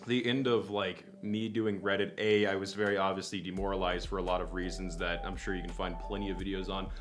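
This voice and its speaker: A young man with a fairly low voice, rambling through a casual livestream chat. He is self-deprecating and swears offhandedly. Soft lofi beats play faintly underneath. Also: flat delivery, fairly quick. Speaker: guest content creator. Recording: lofi music playing faintly behind.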